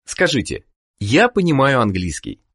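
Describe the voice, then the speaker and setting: Male instructor narrator, husky tone, animated pitch, measured scripted prompts. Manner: measured, prompting the listener to repeat. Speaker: language course narrator.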